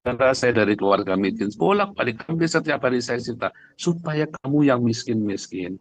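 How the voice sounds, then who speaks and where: Animated and brisk, this man's mid-range voice carries a conversational livestream sermon. As a preacher, he's blunt and emphatic, addressing listeners head-on with rhetorical questions.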